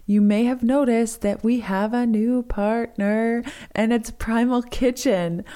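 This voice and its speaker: A young adult woman with a hoarse, strained voice, hosting a solo podcast in an upbeat, enthusiastic way. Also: medium pitch, warm tone. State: hoarse, lost her voice. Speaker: podcast host. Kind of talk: solo podcast chat with sponsor reads.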